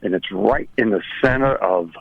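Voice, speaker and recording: A man's voice: lowish voice, normal speed, creaky, breathy edge, dry recording, phone-quality sound. A middle-aged or older man giving a chatty, folksy, casual birding report for radio by phone from inside a car. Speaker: birding correspondent.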